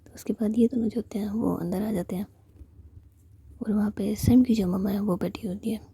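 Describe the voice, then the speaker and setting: A woman narrates a story entirely in a whisper. Her voice is very breathy and husky, with a dark, mellow tone. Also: mid-range voice, fairly even intonation, fairly quick, no room sound.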